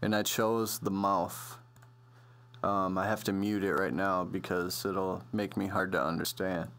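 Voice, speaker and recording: A man presenting a music production tutorial in an informal, slangy, off-the-cuff way, speaking into a mic over a software demo. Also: low-pitched, level tone, measured pace. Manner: informal, slangy, loosely improvised explaining. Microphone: computer voice-over on a microphone.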